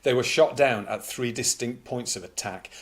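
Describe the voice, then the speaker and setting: A man's voice: medium pitch, moderate pace. A man presenting, reading old news aloud and adding conversational, explanatory asides. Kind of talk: reading aloud with informal commentary.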